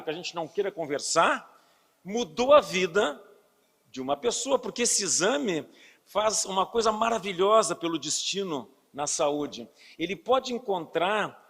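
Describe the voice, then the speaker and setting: A man in his sixties with a Southern Brazilian accent, his voice high and husky, speaks earnestly to a lecture audience. He explains health matters patiently and poses rhetorical questions along the way. The sound carries a long reverb from the hall. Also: a bit bright. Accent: Southern Brazilian Portuguese. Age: 60s. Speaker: physician giving a lecture.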